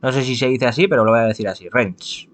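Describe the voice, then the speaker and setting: A man's voice: medium pitch, quick pace. A man with a Spanish accent from Spain, reading a visual novel aloud and stumbling, often correcting himself and adding asides. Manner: stumbling, frequent self-corrections.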